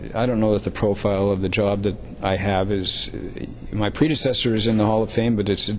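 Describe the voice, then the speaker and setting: Noticeable background noise sits behind a man speaking in a Canadian accent at a fairly low pitch. His intonation is monotone and flat, and his pace is fairly quick. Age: 70s. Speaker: retiring hockey league president. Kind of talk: casual interview.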